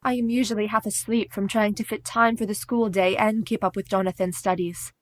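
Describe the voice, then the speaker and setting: An actress playing an earnest, sensible young woman in a stage radio play, speaking in a measured, gently wry way. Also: medium pitch, steady tone, close to an everyday voice.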